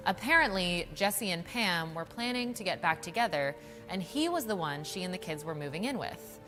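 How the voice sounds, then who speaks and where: A woman's voice: on the low side, fairly bright tone, in a large hall. A woman hosting and narrating a scripted true crime documentary in a conversational way, with emphatic asides. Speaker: true crime show host. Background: background music.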